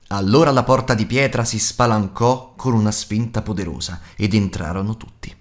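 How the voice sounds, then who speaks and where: A man reading an audiobook aloud in a dramatic, expressive narration. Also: lowish voice. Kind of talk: scripted narration.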